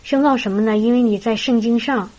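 A woman voicing a calm, patient middle-aged male pastor who prays in a measured way and asks gentle questions. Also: extremely high pitch, muffled recording. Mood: prayerful.

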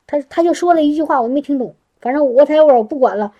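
A woman telling a personal faith testimony in an animated storytelling way, breaking into exclamations of praise. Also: high voice, fast, lo-fi sound. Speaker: church member giving a testimony.

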